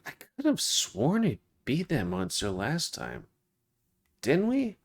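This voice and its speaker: A man's voice: on the high side, huge pitch swings, takes it slowly, creaky, husky. A man casually reading a game's text aloud and adding joking asides. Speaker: gamer. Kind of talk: let's play, reading game text aloud. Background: game music.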